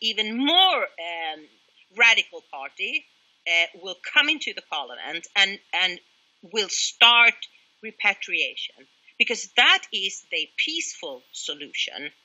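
A woman's voice: medium pitch, very animated, a little slow, pushed and bright, poor audio. A middle-aged woman with a Swedish accent, answering interview questions emphatically over a headset on a video call from a small room at home. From Sweden. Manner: emphatic, opinionated, with frequent restarts. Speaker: guest.

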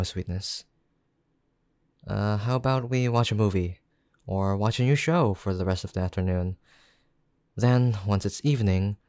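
A caring young boyfriend played by a man in intimate roleplay audio. His voice is fairly low, mellow and soft. He talks slowly and affectionately, with gentle teasing aimed at his girlfriend. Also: no echo, clean studio sound.

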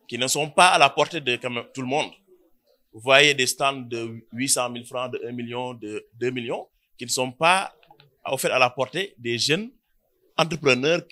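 Senegalese organizer in his thirties, bright forceful voice, steady explanatory press statement, room of mics. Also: medium pitch. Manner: switches between French and Wolof, measured and explanatory. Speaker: event organizer. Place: indoor press room before a banner. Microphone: cluster of handheld press mics.

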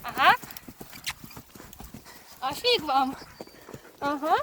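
High-voiced woman on horseback outdoors. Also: lively intonation, very slow. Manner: calls out to horses, urging and soothing. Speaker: horse owner vlogger. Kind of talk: casual vlog narration while riding. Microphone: camera carried while riding. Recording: loud outdoor noise, hoofbeats. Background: loud hoofbeats and outdoor noise.

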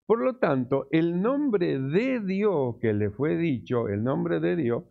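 A man preaching a sermon as pastor, teaching slowly and deliberately, repeating key words. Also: fairly high pitch, animated, creaky, narrow, tinny audio. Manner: slow, deliberate teaching with repetitions.

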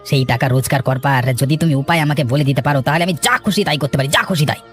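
A man's voice: medium pitch, fast talker, faint music behind, natural voice. A man voicing a two-faced, ambitious cartoon villager, sly and eager, who swindles his neighbours. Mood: eager, scheming. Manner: smooth-talking, sly, eager. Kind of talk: dramatic cartoon voice acting.

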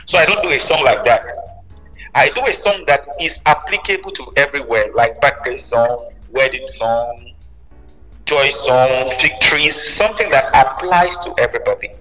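Bright-voiced man in a very reverberant space. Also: mid-range voice, lively intonation, moderate pace, soft background music. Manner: emphatic, repeats phrases for stress. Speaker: musician guest. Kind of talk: interview conversation. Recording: reverberant room with long echo.

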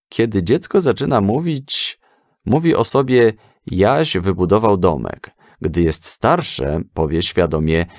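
Thoughtful, low-voiced father, voiced by a man. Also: dry recording, studio quality, heavily acted. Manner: hesitant, measured, kindly instructive. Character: thoughtful, gentle father advising his young son. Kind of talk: children's audio story.

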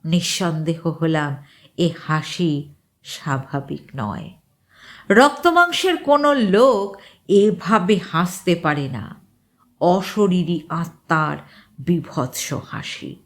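A woman reading a ghost story aloud in a slow, suspenseful, expressive storytelling style. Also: lowish voice. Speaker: story reader.

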